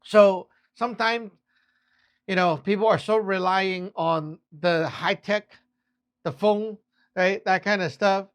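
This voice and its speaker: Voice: medium pitch, steady tone, slow pace, clear, resonant tone. A Taoist master from Hong Kong with a Hong Kong accent, explaining in a loose, chatty way and often tagging sentences with a question. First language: Cantonese. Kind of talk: casual explainer vlog.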